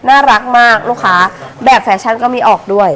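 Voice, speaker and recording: A Thai woman selling clothes on a live stream in a chatty promotional pitch, with sweet polite address to customers. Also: a little fast, fairly bright tone. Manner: sweet polite particles, addresses customers as older sister and mother. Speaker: live-stream seller of secondhand clothing bales.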